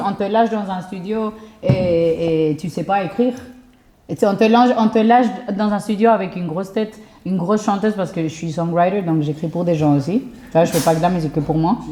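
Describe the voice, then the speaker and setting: A woman talks rather quickly, with noticeable noise in the background. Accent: Colombian. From Colombia. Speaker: singer-songwriter. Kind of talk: casual chat.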